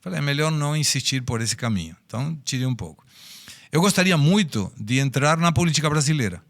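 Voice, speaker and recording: His voice on the high side, expressive and fast, this sixtysomething native Spanish speaker from Argentina tells reflective personal stories in a podcast interview. He speaks with an Argentine accent and draws lessons from his own life as the guest.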